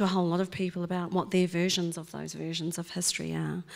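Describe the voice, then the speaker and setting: A woman speaks with a New Zealand accent against a quiet background. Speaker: artist; guest. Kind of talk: panel discussion. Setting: live broadcast before a cinema audience. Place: stage. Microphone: studio mic.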